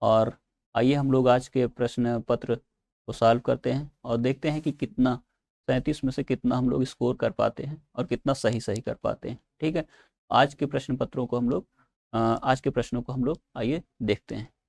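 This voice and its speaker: A man's voice: medium pitch, fairly even intonation, moderate pace, vocal fry, a little mellow. A man teaching an online exam-prep lesson, explaining step by step and answering his own questions.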